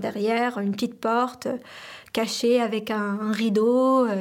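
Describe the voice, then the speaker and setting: Her intonation fairly even, a woman talks with a high pitch. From Algeria. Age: 20s. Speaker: student. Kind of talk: testimony. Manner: halting, with many fillers.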